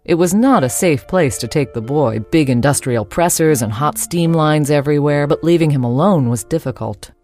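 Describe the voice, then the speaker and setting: Low-voiced woman narrating a ghost story. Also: normal speed, hardly any pauses, dark tone, faint music behind.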